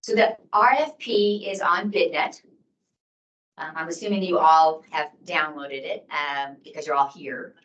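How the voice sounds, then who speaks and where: Loud, forceful woman far from the mic. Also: low-pitched, steady tone, unhurried, echoey room, lo-fi sound, slight background noise. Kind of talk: public meeting explanation. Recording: distant mic in a room.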